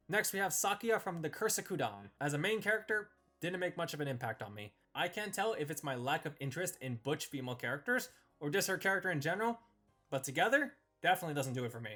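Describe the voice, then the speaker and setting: High-pitched, animated man reviewing over music. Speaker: video host and reviewer. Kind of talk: scripted commentary ranking characters in a tier list.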